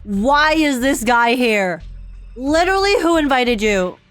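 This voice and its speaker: A woman's voice: high voice, lively intonation, measured pace, fairly bright tone, dry recording. A woman streamer reacting live to a video game with emphatic, sweary, informal commentary. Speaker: gaming streamer. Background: game music.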